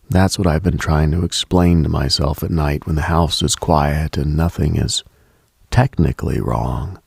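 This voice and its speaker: A man hosting a late-night radio show, speaking in a hushed, intimate, contemplative monologue with long pauses and a husky, breathy edge. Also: rumbling low, dry recording, studio quality.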